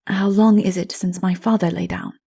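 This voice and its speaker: Humble fantasy hero read by a woman, male, earnest and reverent, with a soft, creaky delivery. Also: fairly low pitch, steady tone, moderate pace. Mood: questioning. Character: humble, wondering man, narrator hero of dark fantasy.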